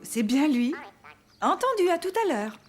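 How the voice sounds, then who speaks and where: A woman's voice: sits high, very animated, unhurried. A woman playing an affectionate, cheerful young mother in a children's cartoon, over music. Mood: pleasant. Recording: loud cartoon music underneath.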